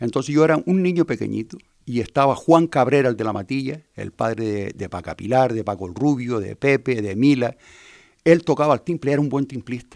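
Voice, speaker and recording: In a dry, close sound with no echo, a plain, everyday voice moves at a fairly quick pace with lively intonation. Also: man, medium pitch for a man. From Canary Islands, Fuerteventura (Puerto del Rosario). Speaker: festival speaker and timple musician. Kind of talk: casual interview.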